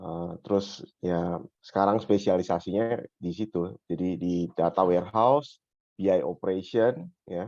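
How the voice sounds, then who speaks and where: The man speaks at a fairly slow pace. His voice has a very deep, low pitch and a dark, mellow tone. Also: ordinary pitch variation, quiet background. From Indonesia. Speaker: data and AI lead in healthcare. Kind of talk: guest talk. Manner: halting, many fillers.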